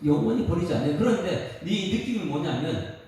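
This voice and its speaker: A man preaches with a fairly high voice, his words bouncing around a big, echoing church hall. He stands back from the microphone, and faint room ambience hangs behind him. He asks the congregation pointed questions and presses his points hard. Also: big pitch swings, brisk, a little mellow, distant mic. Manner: emphatic, rhetorical questions to the congregation, sings a line. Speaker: pastor. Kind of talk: dawn service sermon. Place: church sanctuary.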